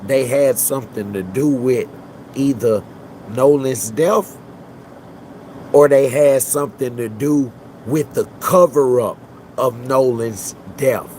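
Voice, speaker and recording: Dude ranting on his live stream, blunt and cussing, slow talker, faint noise behind. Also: mid-range voice, warm tone, poor audio. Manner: blunt, profane, emphatic street talk. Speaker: livestream host. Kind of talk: casual livestream commentary.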